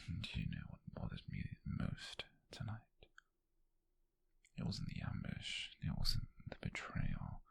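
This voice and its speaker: A low-pitched, very husky British man playing a mafia kidnapper in an ASMR roleplay. He whispers slowly and deliberately, possessive and softly menacing. His tenderness sounds obsessive and controlling. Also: exaggerated voice. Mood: tender, possessive.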